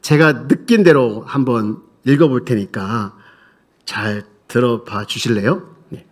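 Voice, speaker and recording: A man's voice: mid-range voice, measured pace. A male pastor preaching a sermon in a church sanctuary in a conversational way, leading the congregation in reading aloud together.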